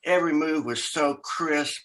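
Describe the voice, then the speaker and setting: Bright-voiced older man telling stories. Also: on the high side, unhurried. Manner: rambling, animated storyteller with laughs and quoted voices. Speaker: interview guest, author. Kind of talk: storytelling in a casual interview.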